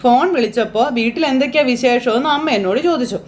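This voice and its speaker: A woman voicing a sharp-tongued young woman who mocks her sister-in-law. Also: fairly high pitch, fast talker, close to an everyday voice. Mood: mocking.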